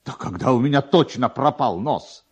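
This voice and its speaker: A man's voice: mid-range voice, lively intonation, moderate pace, husky. A man voicing an agitated, self-important male government official, flustered and insistent, in a dramatised literary reading. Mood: indignant. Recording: dull, lo-fi archive radio recording.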